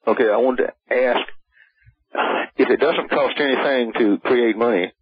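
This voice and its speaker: Husky man on a clipped phone line. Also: mid-range voice, no room sound. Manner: halting, asks step by step. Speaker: caller. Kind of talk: call-in question to a radio host. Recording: dull phone line on radio.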